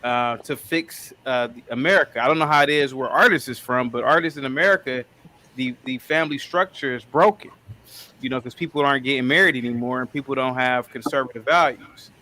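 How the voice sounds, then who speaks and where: A man's voice: mid-range voice, brisk, sharp tone. A man in his thirties from Ohio, calling into a live stream and talking about his own channel in an earnest, rambling way, often saying sir. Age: 30s. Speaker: caller, streamer. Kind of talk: casual live-stream chat.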